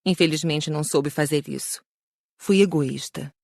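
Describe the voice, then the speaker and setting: Woman acting a remorseful, lowish-voiced female spirit. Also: moderate pace, gravelly, darkish tone, no echo, studio quality. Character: remorseful female spirit confessing past selfishness. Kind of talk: dramatised audiobook narration.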